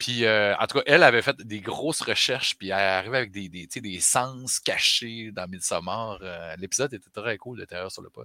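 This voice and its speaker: A man's fairly low, bright and sharp voice at a moderate pace, with big swings in loudness, ordinary pitch variation and hardly any pauses, in a very clean recording with a silent background and a dry, close sound with no echo. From Quebec, Saguenay. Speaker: podcast co-host. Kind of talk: casual chat.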